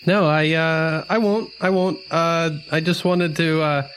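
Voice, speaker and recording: A placating, nervous adventurer, played by a man in a tabletop game. He stammers and halts in a fairly high voice, over faint cricket noise. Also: fairly even intonation, a bit bright, poor audio. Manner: halting, stammering. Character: nervous, placating male adventurer calming a beast.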